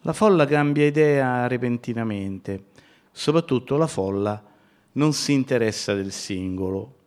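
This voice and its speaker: A man preaching a sermon, who builds from calm teaching to loud, impassioned shouting as he addresses the congregation as brothers. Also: mid-range voice, unhurried.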